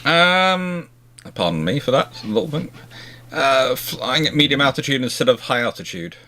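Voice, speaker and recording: Guy hosting a casual history q&a, mid pitched voice, kinda halting, keeps rewording stuff. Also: animated, bright, forceful tone. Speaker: live Q&A host answering viewer questions. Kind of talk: casual naval history question and answer chat.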